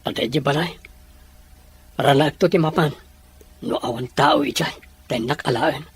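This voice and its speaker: A man acting as a hurt, proud young man in an amateur audio drama, with a husky voice. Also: fairly high pitch, normal speed, slight background noise, natural voice. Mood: downcast, earnest.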